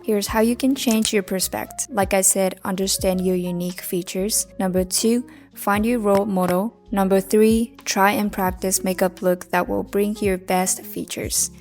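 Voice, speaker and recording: A young woman with a Japanese accent, soft and relaxed, filling her talk with little "um"s and "like"s as she walks through a makeup routine. Her voice sits in a middle register. It bounces off the hard walls of a small home bathroom, with faint music underneath. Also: mid-range voice. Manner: soft-spoken, relaxed, many fillers. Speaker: makeup vlogger and dancer. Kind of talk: casual makeup tutorial talk. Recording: roomy bathroom echo.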